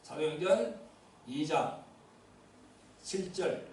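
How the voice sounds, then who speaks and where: A middle-aged Korean pastor with a Gyeongsang accent preaches in an easy, conversational way, sitting down because of an injured ankle. His voice sits a little high for a man. It rings through a heavily echoing church hall, picked up from some distance. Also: animated, takes it slowly, darkish tone, a little hiss or hum. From Gyeongsang region, Korea. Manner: conversational preaching with congregation responses and asides. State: seated due to an injured ankle. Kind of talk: sermon. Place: church sanctuary. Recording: very echoey church hall, somewhat distant mic.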